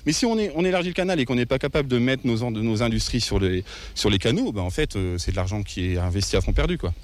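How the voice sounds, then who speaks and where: A man's voice: mid-range voice, expressive, fast. Young male activist from northern France, earnest, hesitant, being interviewed at a protest. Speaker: ecologist activist.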